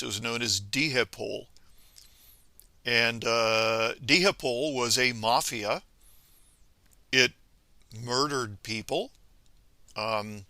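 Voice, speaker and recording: A man from Venezuela speaking a political monologue to viewers, halting with many pauses and restarts, then scolding emphatically. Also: medium pitch, pushed and bright, dry recording. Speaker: commentator.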